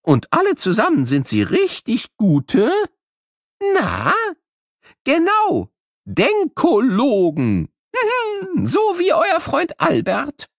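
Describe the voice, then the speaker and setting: High-pitched, excitable old professor, cartoonish, playful exclamations, drawn-out words, dry studio sound. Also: male voice, vocal fry, dry recording, heavily acted. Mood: playful, proud, then weary, playful. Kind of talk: children's educational audio play.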